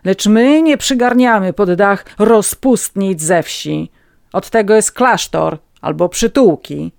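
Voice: medium pitch, takes it slowly, creaky, darkish tone, dry recording, clean studio sound, voice pushed up. A reader voicing a stern, scornful older master of the house who speaks curtly, in an audiobook reading. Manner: scornful, curt.

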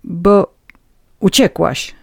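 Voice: mid-range voice, animated, drawn-out words, creaky, no echo, studio quality, voice pushed up, full character voice. A reader voicing a stern, haughty older lady of the manor who speaks coldly and dismissively, in an audiobook reading. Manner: cold, dismissive.

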